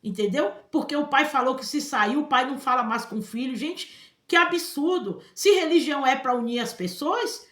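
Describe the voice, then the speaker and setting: A Brazilian woman speaks her mind in an emphatic vlog, her voice sitting a little high for a woman. She keeps pulling the listener in with quick asides and checks. The room gives her voice a noticeable echo. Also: a bit bright. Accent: Brazilian Portuguese. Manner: emphatic, keeps addressing listeners with "gente" and "entendeu?". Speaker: vlogger. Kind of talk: emphatic personal commentary to camera.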